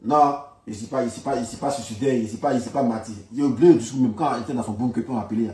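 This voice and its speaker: A man's voice: mid-range voice, racing, dark tone. A man with an Ivorian accent giving informal political commentary, colloquial and repeating phrases for emphasis. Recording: echoey room, distant from microphone.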